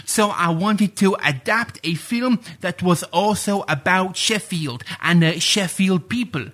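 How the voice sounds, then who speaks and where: A man's voice: sits high, measured pace, fairly bright tone. A man playing a pompous, flustered playwright guest, who hesitates and stammers through a comedy radio sketch. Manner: hesitant, full of "uh"s, stammers, grandiose phrasing.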